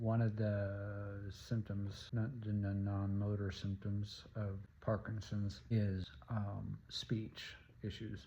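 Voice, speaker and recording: A soft-spoken, somewhat breathy man's voice, fairly low in pitch, dark and mellow in tone, with fairly even intonation and a very slow pace. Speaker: person with young onset Parkinson's. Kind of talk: casual talk to camera.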